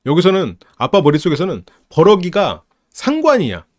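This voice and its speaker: A man hosting a psychology channel, casually analyzing a film, lively and laughing often as he acts out characters' lines. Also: sits high, normal speed, no room sound, clean studio sound.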